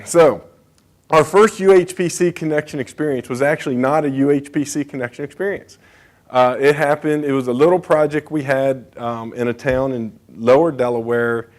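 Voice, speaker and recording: Man, conference talk, casual, filler-heavy, mid-pitched voice. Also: darkish tone. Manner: casual, conversational, many fillers and asides. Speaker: state bridge engineer presenting. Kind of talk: conference presentation.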